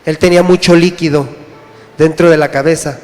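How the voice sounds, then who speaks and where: Man, from Mexico, church testimony, earnest, halting, repeats words, high voice, long hall echo. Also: fairly even intonation, a little mellow. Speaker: church member giving testimony. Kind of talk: personal testimony. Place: church congregation.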